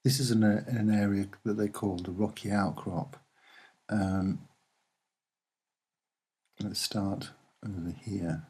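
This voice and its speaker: A soft-spoken man giving a halting, unscripted commentary as he points things out, with frequent pauses. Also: lowish voice, fairly even intonation, husky. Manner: hesitant, halting, with many pauses. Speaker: amateur video presenter.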